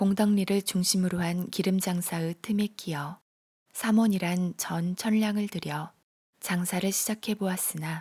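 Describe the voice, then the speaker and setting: On a very clean recording with a silent background, a woman with a medium-pitched, somewhat breathy voice speaks slowly in a calm, soothing, dark, mellow tone with fairly even intonation. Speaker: audiobook narrator. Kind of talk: audiobook reading of a short story.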